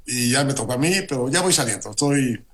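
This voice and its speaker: Mexican guy, got the flu, talks slow and wry with lots of eh pauses. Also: mid-range voice, lively intonation, a bit bright. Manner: measured, wry, many "eh" pauses. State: has the flu. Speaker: regular commentator. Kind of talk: opinion commentary on air.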